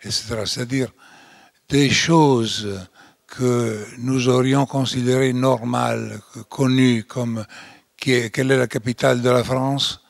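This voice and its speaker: Older italian guy speaking french, really gravelly voice, slow, keeps restarting words, dry close sound. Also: mid-range voice, steady tone, no echo. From Italy. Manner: hesitant, many restarts and fillers. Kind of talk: closing lecture.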